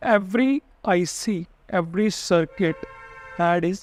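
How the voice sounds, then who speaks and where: A man talks with a high pitch. The recording is very clean and the background silent. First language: not English. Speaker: electronics repair tutor. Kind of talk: tutorial.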